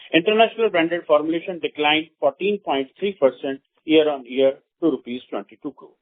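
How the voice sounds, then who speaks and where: Indian-accented businessman on a tinny phone line. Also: a little high. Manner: formal, reading prepared remarks with halting stumbles. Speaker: company executive. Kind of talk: scripted earnings call presentation. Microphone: phone conference call.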